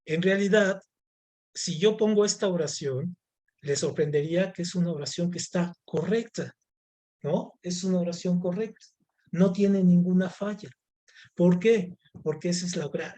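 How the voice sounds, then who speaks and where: A man leads an online lesson. His voice sits a bit high for a man. He explains patiently, with many fillers, and keeps asking the class questions. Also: normal speed, dark tone. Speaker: Spanish teacher.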